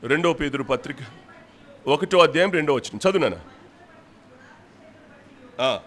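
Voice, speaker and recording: A male pastor preaching a sermon, rebuking his listeners with a string of pointed rhetorical questions and swinging between loud and quiet. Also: a little high, expressive, a little slow. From India.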